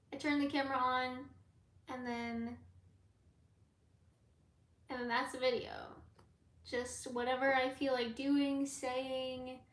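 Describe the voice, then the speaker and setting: A woman who reads tarot, chatting with viewers in a live question-and-answer stream. She rambles in a laid-back way and fills pauses with ums and likes. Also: high voice, a bit bright. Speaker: tarot reader and YouTuber. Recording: echoey room.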